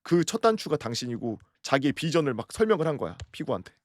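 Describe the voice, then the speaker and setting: A young man tells a story in a relaxed, chatty way, jumping into quoted voices as he goes. His pitch swings a lot and sits a little high. The sound is close and dry. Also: fast, no room sound. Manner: animated, acts out quoted lines with swearing. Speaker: storyteller streamer. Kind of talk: casual storytelling.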